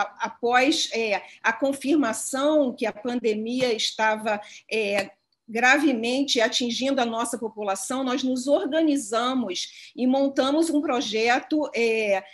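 Hesitant woman presenting research online. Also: on the high side. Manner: hesitant, many filler pauses. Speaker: lab head giving a symposium talk.

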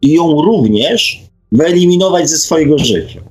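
A man's voice: on the high side, lively intonation, moderate pace, faint music behind. A man hosting an unscripted discussion, speaking hesitantly and reflectively, with frequent tag questions. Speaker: radio show host.

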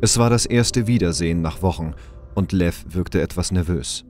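A man's voice: low voice, normal speed, darkish tone, faint music behind, lightly acted. A man narrating a scripted science fiction crime audio drama. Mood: calm narrating. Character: male storyteller of a sci-fi crime drama.

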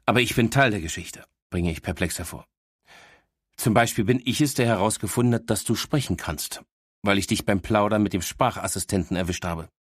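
A man's voice: lowish voice, a little fast, husky, no room sound, clean studio sound. A man narrating an audiobook in the first person, wry and exasperated.

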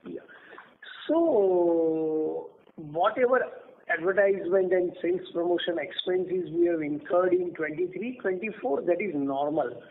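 Man, high voice, finance executive, earnings call explanation, narrow phone sound, faint noise. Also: sing-song, unhurried, creaky. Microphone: conference phone call. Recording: tinny noisy phone line.

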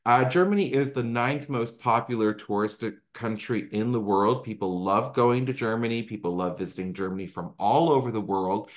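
A man's voice: on the low side, moderate pace, hardly any pauses. A middle-aged man from Canada, a travel advisor giving an upbeat, conversational slideshow talk over a video call. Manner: upbeat, conversational, frequent ums and asides. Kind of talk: informal slideshow presentation. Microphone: video call microphone.

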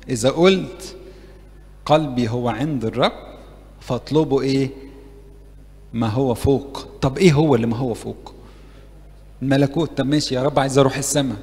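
In a church meeting hall, a priest with an Egyptian Arabic accent gives a lively, interactive sermon to university youth, asking them questions and acting out prayers. His medium-pitched voice is brisk with frequent pauses, and the sound is that of a big room.

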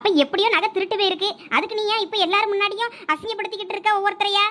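Woman acting as a sharp-tongued village woman, thoothukudi tamil accent, very high, bright voice. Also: little pitch movement. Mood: pleading. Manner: scolding, rapid and shrill. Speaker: actor in village family drama. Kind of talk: village comedy sketch acting.

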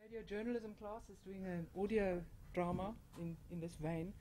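A woman's voice: mid-range voice, normal speed, mellow, a little hiss or hum, rough recording. A woman, a lecturer, giving an informal introduction in a hesitant, reflective way. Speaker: university journalism lecturer introducing a guest.

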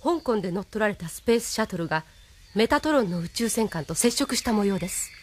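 A woman voices a crisp young female communications officer in an anime radio drama. She reads her report in a formal, even way, with a faint hiss behind her. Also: medium pitch, fast talker, natural voice.

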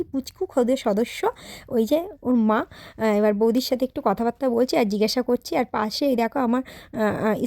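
A woman's voice: fairly high pitch, warm tone, no echo, studio quality. A young adult woman narrating her day as a vlogger, chatty and speaking straight to her viewers. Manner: chatty, addresses viewers directly. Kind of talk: casual vlog narration.

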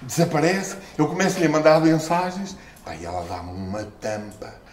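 A middle-aged man with a European Portuguese accent, telling stories at a book launch, expressive and laughing often. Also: normal speed, slight background noise. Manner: expressive, gestures and laughs often, jumps in pitch when excited. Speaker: book author. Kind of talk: animated storytelling at a book launch. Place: small stone-walled room, indoors. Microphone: far camera. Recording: echoey room.

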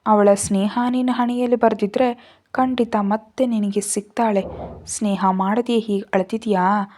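A woman's voice: medium pitch, fairly even intonation, a little slow, a little mellow, lightly acted. A woman voicing a caring, stubborn teenage brother. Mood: consoling. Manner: concerned, questioning, insistent.

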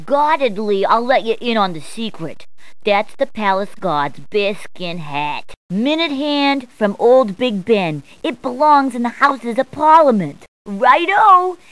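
A woman's voice: fairly high pitch, big pitch swings, slow, a bit bright, dry recording, heavily acted, rough recording. A woman voicing a cheery adult policewoman in a game, speaking in upbeat, chatty puns. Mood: cheerful. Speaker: voice actor. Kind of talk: game voice clips.

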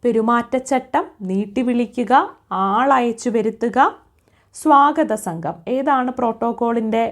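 A woman's voice: a little high, measured pace. Woman as an exam coach, drilling quiz answers by repetition and rhetorical questions. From Kerala.

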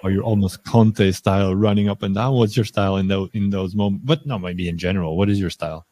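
A man in his thirties hosting a podcast, asking quick, friendly questions into a headphone mic in a small room. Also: deep voice, steady tone, dark tone, slight background noise. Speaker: podcast host. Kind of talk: casual interview questions.

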